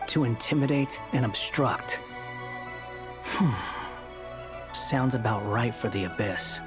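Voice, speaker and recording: A man's voice: medium pitch, slow pace, over music, close to an everyday voice. A man playing a blunt, skeptical companion. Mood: stern. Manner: blunt, challenging.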